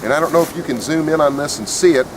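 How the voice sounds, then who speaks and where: A man's voice: a little high, steady tone, fast. A man giving a casual, unscripted product review in a plainspoken, opinionated way, recorded outdoors. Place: outdoors in wind. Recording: windy outdoor recording with clear noise.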